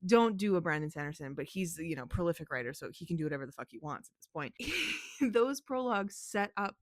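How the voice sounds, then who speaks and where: A woman vlogging about books and her writing in a casual, animated way, laughing and swearing often, her voice a little hoarse. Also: lowish voice, a little fast, no echo. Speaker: book vlogger and author. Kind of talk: casual chatty vlog.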